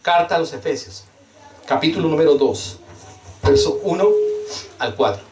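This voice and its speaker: A man's voice: a little high, animated, moderate pace. A man preaching a sermon, fervent and emphatic, with rhetorical questions and lots of repetition. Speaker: pastor. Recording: echoey room, mic at a distance.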